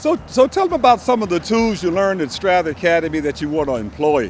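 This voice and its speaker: Animated and very fast, a man speaks at a fairly high pitch. His voice swings very widely in pitch. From Detroit, US Midwest. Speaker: real estate developer and mentor. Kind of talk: interview.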